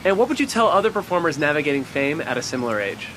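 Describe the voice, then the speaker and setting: A man interviewing someone outdoors at a home garden, upbeat and quick in his questioning. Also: a little high, very animated, fairly bright tone, slight background noise. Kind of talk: rapid-fire interview questions.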